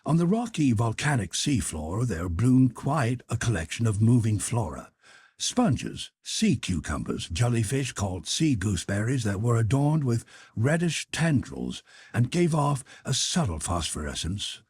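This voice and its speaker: Casting: male audiobook narrator, formal and expressive, lively melodic range, close dry studio sound. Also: mid-range voice, measured pace, slightly rough, dry recording. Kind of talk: scripted literary narration.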